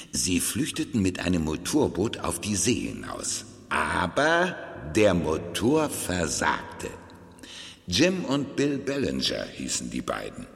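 Deep-voiced former guard, dramatic storyteller. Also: male voice, vocal fry, in a large hall, full character voice. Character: former armored-car guard recounting an old robbery. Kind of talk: German audio drama acting.

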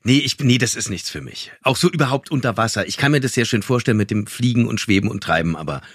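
A man's voice: mid-range voice, animated, quick pace, husky, no room sound, clean studio sound. A man on a podcast chatting casually in a joking, self-deprecating way.

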